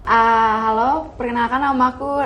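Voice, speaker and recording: A young woman from West Java, a university student, chatting in a relaxed, matter-of-fact way as a podcast guest. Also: on the high side, moderate pace, highs cut off. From West Java, Indonesia. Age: young adult. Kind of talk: casual chat.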